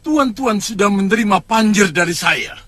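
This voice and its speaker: A man's voice: high voice, expressive, moderate pace, a bit bright, dry recording. An actor playing a scheming male war leader who insists his paid allies keep their promise, in a radio drama. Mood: insistent. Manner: insistent and commanding.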